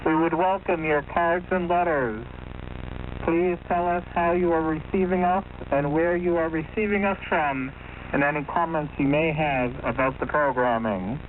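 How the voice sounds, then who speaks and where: A man playing a courteous, formal station announcer in an old-time radio style, measured in delivery, heard through a shortwave radio filter. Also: fairly high pitch, fairly even intonation. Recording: noisy narrow-band shortwave radio.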